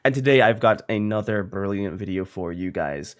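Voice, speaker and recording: A man's voice: fairly low pitch, normal speed. A young man, a little sick, casually explaining a video game strategy in a guide, tossing in lots of fillers and "right?". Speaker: gaming content creator.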